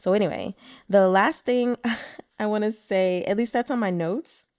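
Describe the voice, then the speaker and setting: A woman's voice: medium pitch, measured pace, darkish tone, no echo, studio quality. A woman giving casual, chatty commentary as an audiobook narrator, explaining Mandarin terms. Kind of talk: casual commentary between chapters.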